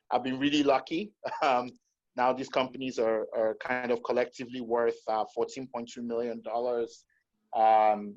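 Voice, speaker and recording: Measured man from Nigeria, muffled call. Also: medium pitch, a little mellow. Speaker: startup founder and investor. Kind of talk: video call introduction. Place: indoors, home room. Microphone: laptop mic on video call. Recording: muffled video call audio.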